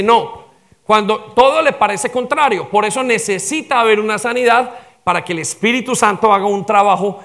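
A pastor preaching a sermon, firing rhetorical questions at the congregation and calling for amens. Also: male voice, sits high, fairly bright tone.

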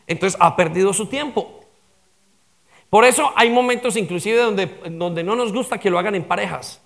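A pastor preaching a sermon, firing rhetorical questions at the congregation and calling for amens. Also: male voice, high voice, moderate pace, a bit bright.

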